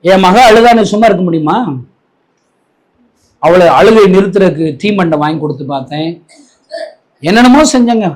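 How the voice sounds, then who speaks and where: A man's voice: high-pitched, normal speed, pauses often, poor audio. A man preaching and leading an altar-call prayer at a home prayer meeting, fervent and repetitive, calling the crowd to repeat after him.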